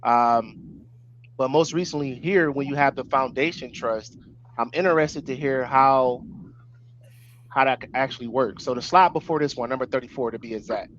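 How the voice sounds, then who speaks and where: Male co-host, mid-pitched, halting casual delivery, dull call sound with faint noise. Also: a bit bright. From Ohio, United States. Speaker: webinar co-host asking questions. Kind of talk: casual webinar chat.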